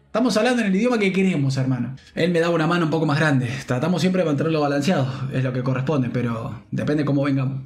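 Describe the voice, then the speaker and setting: A young man with a Rioplatense Spanish accent, commenting on game pack openings in an animated, slangy, joking way. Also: on the high side, fast, roomy sound. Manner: animated, slangy, jokey, shouts with joy. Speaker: gaming streamer.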